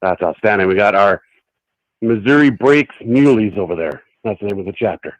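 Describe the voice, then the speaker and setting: Easygoing low-voiced male guest. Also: animated, moderate pace, no echo, low-quality recording. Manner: easygoing, laughs often. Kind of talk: casual chat.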